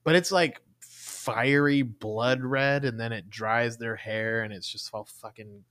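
A woman's voice: a bass voice, steady tone, a little slow, fairly bright tone. A woman co-hosting a podcast in a casual chat, blunt and emphatic, swearing freely. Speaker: podcast co-host.

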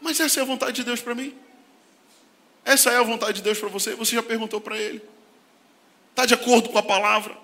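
A pastor from Brazil with a high, very bright and ringing voice preaches to his congregation. He moves between shouted emphasis and quiet, intimate asides, laughing often as he goes. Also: steady tone, a little fast, pauses often. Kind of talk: sermon.

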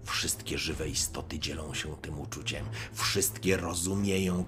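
A man narrating a dark story in the second person, in a brooding, measured way. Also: extremely low pitch. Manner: slow, brooding, measured delivery.

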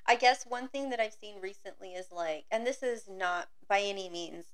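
A woman's voice: mid-range voice, moderate pace. A woman in her thirties hosting a casual chat, chatty, with lots of fillers and frequent laughs. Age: 30s. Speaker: podcast host.

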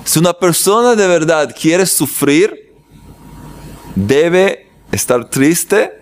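A man teaching a religious lesson, mixing jokes into an animated talk and lifting his voice when acting out prayers. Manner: animated, swoops in pitch when quoting prayers. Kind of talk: lively faith lesson with jokes.

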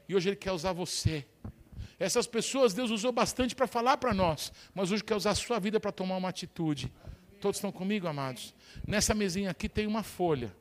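A male pastor with a Brazilian accent preaching a fervent sermon, repeatedly calling on the congregation for responses. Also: sits high. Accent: Brazilian Portuguese.

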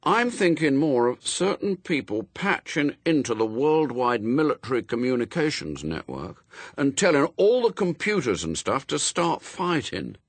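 A man reading aloud as a thoughtful eleven-year-old boy who leads his gang, pitching his voice up. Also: sing-song, normal speed, dry recording. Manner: musing, thoughtful.

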